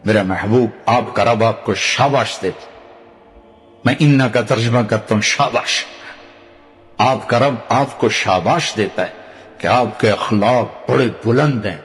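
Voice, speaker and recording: Older Pakistani preacher in a reverberant hall. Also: male voice. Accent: Pakistani Punjabi. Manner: storytelling preacher, recites Arabic verses in a low tone. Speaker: Islamic preacher. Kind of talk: sermon.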